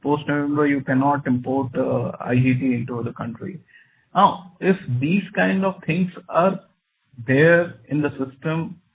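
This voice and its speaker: A man with an Indian accent, speaking as a company executive, explaining business matters deliberately, point by point. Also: a little high, a little hiss or hum. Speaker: company executive on an earnings call. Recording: dull conference phone line.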